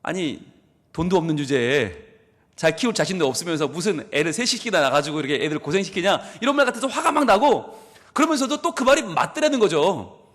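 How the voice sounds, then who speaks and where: A man's voice: fairly high pitch, fast talker. A man with a Busan Gyeongsang accent preaching a sermon as pastor of a church, telling a story and acting out its people. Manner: animated storytelling, acts out the people in his story. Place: church sanctuary. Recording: long church hall reverb.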